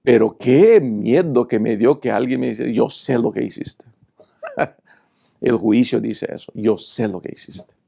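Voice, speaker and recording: A man's voice: mid-range voice, gravelly, dark tone. A man, a pastor, teaching a Bible lesson and speaking directly to viewers through personal stories. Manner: confessional, direct address to viewers.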